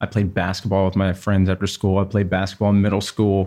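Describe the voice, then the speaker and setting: Here a man speaks with a Texan accent and a fairly low pitch. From Houston, Texas. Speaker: health coach and speaker. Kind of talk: casual interview chat. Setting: in person.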